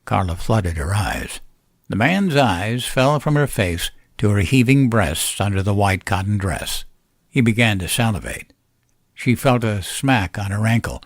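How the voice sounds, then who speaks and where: A man's voice: fairly low pitch, sing-song, a little slow, clean studio sound. A man reading a scripted work of fiction as narrator. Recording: roomy echo, faint music bed.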